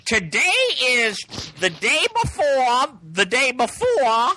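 Man in a podcast chat, bright tone, pitch leaping all over, full of crude teasing jokes. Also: very animated, takes it slowly, dry recording. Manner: crude joking banter. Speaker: regular guest.

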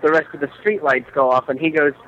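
A man with a British accent calling in to a podcast, his voice bright and sharp. He tells crude stories with a dry, deadpan delivery, with a faint hiss behind him. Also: fairly high pitch, fast talker, lo-fi sound. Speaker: caller reporting from a theme park. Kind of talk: casual phone chat.

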